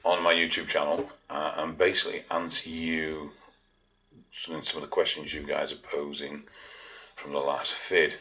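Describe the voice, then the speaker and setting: A man's voice: extremely low pitch, level tone, moderate pace, sharp tone, lo-fi sound. A Yorkshire man answering viewer questions in a casual vlog, blunt and dry-humoured, swearing freely. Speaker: fitness and art vlogger. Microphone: own vlog mic.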